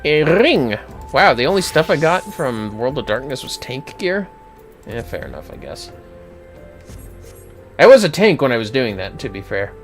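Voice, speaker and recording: A game streamer with a medium-pitched, very animated voice talks casually over game music. The delivery is loose and salty, drifting into self-directed muttering. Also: moderate pace, pauses often. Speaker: livestreamer playing an online fantasy game. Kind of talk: casual gameplay commentary.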